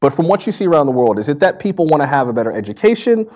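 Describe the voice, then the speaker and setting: A middle-aged man moderating an onstage conversation in a lecture hall, laying out long questions in a measured way. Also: a little high, very animated, dark tone. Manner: measured, lays out questions at length. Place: stage in a lecture hall with a seated audience.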